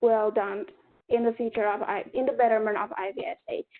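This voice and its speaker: A woman speaks at a moderate pace with a non-native accent. Her pitch is fairly high. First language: not English. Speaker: candidate for student association office. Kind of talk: interview Q&A. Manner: halting.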